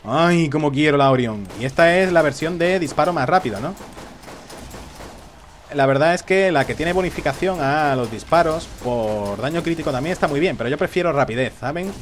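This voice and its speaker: A man's voice: fairly high pitch, a little fast, a little hiss or hum. A man giving live, jokey commentary on a shooter game and taunting the enemies. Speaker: gameplay commentator.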